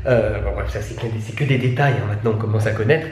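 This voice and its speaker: A man's voice: fairly low pitch, quick pace, darkish tone. Casual young man vlogging, noisy background. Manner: slangy, informal, offhand. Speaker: travel vlogger. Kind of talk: casual vlog chat.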